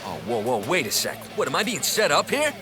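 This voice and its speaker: An actor playing the hustling, excitable boss of an illegal racing racket in an audio drama. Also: male voice, fairly high pitch, brisk. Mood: confused, alarmed. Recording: music behind the voice.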